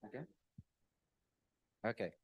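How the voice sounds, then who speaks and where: This is a slow-paced, dry recording of an emotional middle-aged Brazilian man, Portuguese by first language, speaking at a birthday tribute. His personal speech mixes jokes with self-deprecating humor, and he frequently clears his throat.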